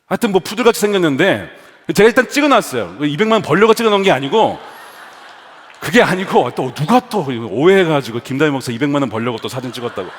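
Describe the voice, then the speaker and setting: A male pastor preaching an animated sermon in a church sanctuary, mixing humor with rhetorical questions. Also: fairly high pitch. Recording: long reverb of a large hall.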